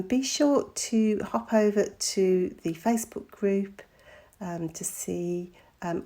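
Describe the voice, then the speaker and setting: Croaky woman chatting through a craft tutorial. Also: lowish voice, dark tone. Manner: chatty, with frequent ums. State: croaky after illness. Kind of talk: casual craft tutorial voice-over.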